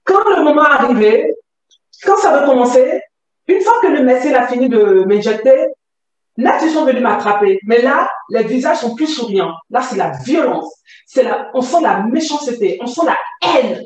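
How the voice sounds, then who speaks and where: Woman, high lively voice, testimony, recorded far off in a very echoey space. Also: moderate pace. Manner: vivid, animated retelling. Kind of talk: personal testimony. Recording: very echoey, distant from mic.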